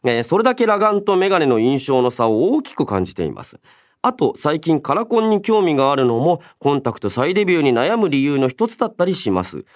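A man's voice: on the high side, big pitch swings, brisk, dry recording, studio quality. A young man hosting a radio show, talking casually and politely as he muses aloud and handles listener mail. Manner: chatty, musing aloud, polite but informal. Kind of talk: casual solo radio talk, reading and answering listener mail.

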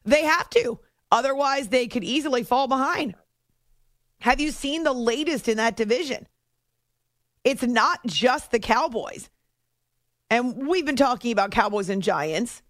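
Woman radio host, slightly high voice, dry close studio sound, chatty with asides. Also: animated, unhurried, long pauses, a bit bright, no room sound. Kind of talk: late-night sports radio talk. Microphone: studio microphone.

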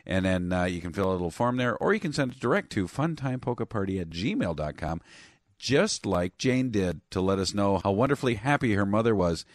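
A man's voice: on the low side, lively intonation, a little fast, no room sound, studio quality. A man co-hosting a polka radio show, easygoing and chuckling as he reads out listener mail. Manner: easygoing, chuckling, plugs announcements. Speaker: radio co-host.

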